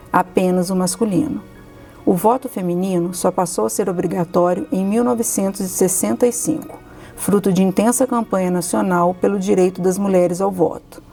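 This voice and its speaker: Casting woman, documentary narrator, gravelly mellow tone, faint music under. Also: mid-range voice. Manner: steady, formal delivery. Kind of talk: scripted narration.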